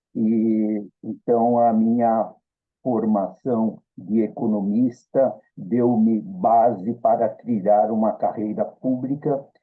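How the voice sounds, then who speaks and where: A man's medium-pitched voice at a very slow pace, with very even loudness and ordinary pitch variation. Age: 70s. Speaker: lecturer, economist and lawyer. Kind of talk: lecture. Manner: formal.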